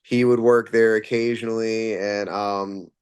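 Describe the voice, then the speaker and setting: A man's voice: fairly low pitch, flat delivery, measured pace, clean tone, no room sound. A man who fronts a rock band, answering interview questions casually and rambling with plenty of fillers and restarts.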